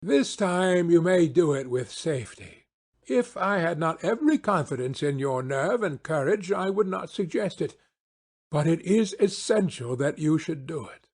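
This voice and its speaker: A man's voice: a little high, expressive, a little slow, darkish tone, husky, exaggerated voice. A man playing a confident, eager male detective in an audiobook, with commanding, precise phrasing. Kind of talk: audiobook character acting.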